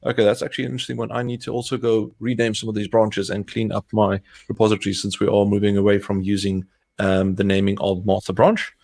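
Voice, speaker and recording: Low-voiced South African man. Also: fast, gravelly. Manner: talks through steps as he clicks, relaxed. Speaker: co-host, developer advocate. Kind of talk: live coding demo narration.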